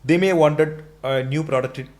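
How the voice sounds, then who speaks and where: A man's voice: fairly high pitch, normal speed, darkish tone. Middle-aged Indian-accented man explaining things. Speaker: entrepreneur interview guest. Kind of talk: conversational podcast interview.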